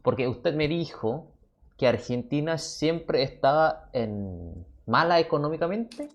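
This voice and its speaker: A man's voice: fairly high pitch, sing-song, measured pace. A man from Indonesia chatting on a video call with a stranger, asking lots of questions and laughing easily. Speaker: language content creator. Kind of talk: casual video chat.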